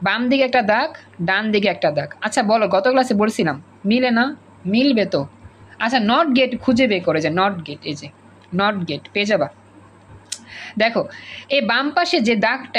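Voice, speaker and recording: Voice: medium pitch, slight background noise, poor audio. A woman with a Bangladeshi Bengali accent teaching an online class, repeating points and coaxing students to answer over a video call.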